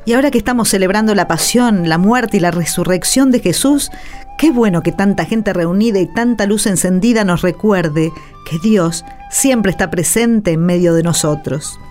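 A woman's voice: medium pitch, moderate pace, darkish tone, close to an everyday voice. An Argentine woman playing a devout, compassionate pilgrim in a radio drama. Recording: music behind the voice. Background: background music.

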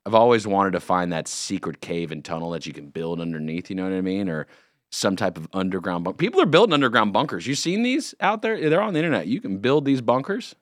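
Lively low-voiced radio host. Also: male voice, quick pace, dry recording, clean studio sound. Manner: animated, jokey, rambling. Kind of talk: casual morning radio banter. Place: radio studio. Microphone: studio microphone.

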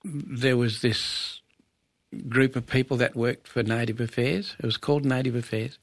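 Gravelly older Aboriginal Australian man reminiscing. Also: medium pitch, fairly even intonation, moderate pace, no echo. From Western Australia. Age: 70s. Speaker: interview guest, Aboriginal elder. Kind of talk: conversational reminiscence.

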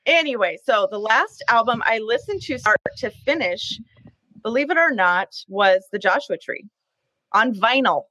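A woman's voice: on the high side, animated, moderate pace, bright, forceful tone, no echo, rough recording. A woman chatting from home as a podcast panelist, friendly and talkative, laughing easily as she tells stories. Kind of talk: casual chat. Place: home in Seattle. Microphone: video call.

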